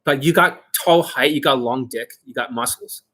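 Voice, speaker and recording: A man giving informal coaching to online viewers as their host, brash and boastful, with emphatic, sweary delivery and a slightly rough, husky voice. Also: medium pitch, moderate pace, pushed and bright. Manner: acts out mock exchanges, emphatic.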